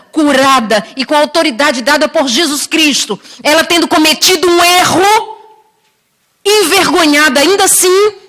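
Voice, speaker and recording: A woman's voice: high-pitched, fairly bright tone. A middle-aged woman preacher from Brazil giving a sermon, telling stories expressively and acting out the voices of the people she quotes.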